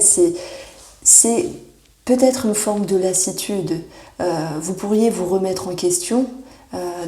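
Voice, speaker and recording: A woman giving a monthly horoscope tarot reading, reassuring and often pausing with fillers as she searches for words. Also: fairly low pitch, warm tone. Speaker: tarot reader. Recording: echoey room.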